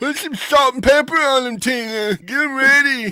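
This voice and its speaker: Someone uses a high-pitched, put-on character voice at a moderate pace. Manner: zombie-like.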